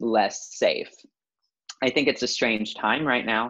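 With an American accent, a man talks at a moderate pace against a quiet background. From Tampa, Florida; Florida. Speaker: actor and comedian; interview guest. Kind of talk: interview answer. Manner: upbeat, happy. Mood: thoughtful, slightly amused. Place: home room. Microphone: video call.

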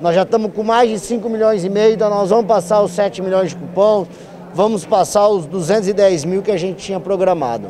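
A man speaks at a moderate pace with ordinary pitch variation and a high pitch. Light background noise can be heard. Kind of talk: interview answer. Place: shop.

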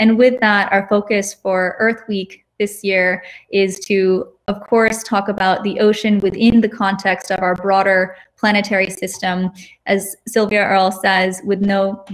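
Against a quiet background, the voice moves at a fairly slow pace with monotone, flat intonation. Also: woman. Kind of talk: presentation. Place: home room.

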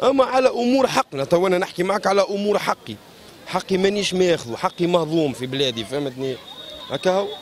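Over light background noise, a man with a high pitch speaks at a moderate pace with very wide pitch swings, the sound dry with no echo. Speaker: interviewee. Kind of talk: interview answer. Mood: resigned, patient, faith-framed. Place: street. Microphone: handheld.

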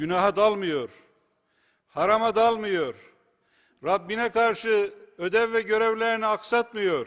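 A man's very slow, high-pitched speech with long, frequent pauses, very even loudness and ordinary pitch variation, in a very clean recording with a silent background. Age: 50s. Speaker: religious preacher. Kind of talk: sermon.

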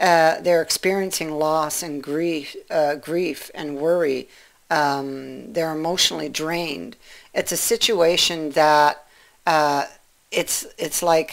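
A woman with a very deep, low pitch speaks very slowly with fairly even intonation over a quiet background. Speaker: tarot reader. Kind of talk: tarot reading commentary.

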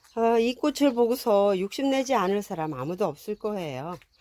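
At medium pitch and a fairly slow pace, a woman's voice swings very widely in pitch. The recording is very clean, with a silent background. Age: 60s. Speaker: gardening vlogger. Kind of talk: casual narration while filming garden. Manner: hesitant with many fillers.

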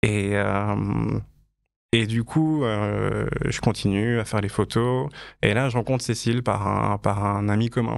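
Against a quiet background, a man speaks very slowly at a fairly low pitch. His intonation is fairly even, and the sound is dry with no echo. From Switzerland, canton of Vaud (Payerne); Vaud, Switzerland. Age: 30s. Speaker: fashion photographer; podcast guest. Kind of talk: interview conversation. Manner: hesitant, many fillers. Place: studio. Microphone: studio mic.

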